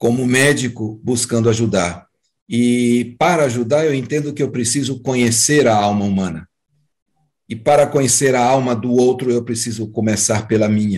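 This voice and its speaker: A man speaks at a moderate pace, with a medium pitch and ordinary pitch variation. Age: 60s. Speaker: homeopathic doctor. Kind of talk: interview.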